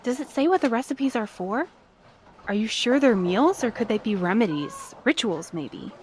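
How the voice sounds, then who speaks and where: A woman's voice: a little high, expressive, normal speed, a little mellow, a little hiss or hum, lightly acted. A woman playing a curious, eager and helpful young researcher in an audio drama, inquisitive and polite. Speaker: actor in a fiction podcast.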